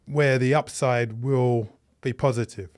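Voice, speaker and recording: A man speaking as a podcast guest, measured and deliberate. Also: mid-range voice, steady tone, darkish tone. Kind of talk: conversational interview.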